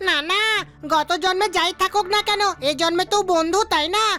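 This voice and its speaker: A woman's voice: extremely high pitch, fairly quick, pushed and bright, faint music behind. A woman voicing a small cartoon pal who is bossy but kind-hearted. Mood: protective. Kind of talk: dubbed cartoon acting.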